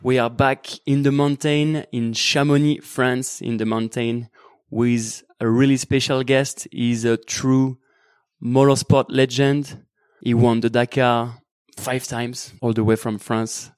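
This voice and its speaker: A man's voice: medium pitch, little pitch movement, slow, clear, resonant tone, dry recording. A man hosting a podcast, introducing guests and asking questions with hyped, enthusiastic delivery. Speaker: podcast host.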